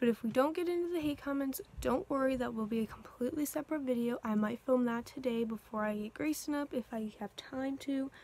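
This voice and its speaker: This woman has a high-pitched voice with ordinary pitch variation. She speaks at a fairly quick pace. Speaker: YouTuber. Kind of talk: casual vlog chat.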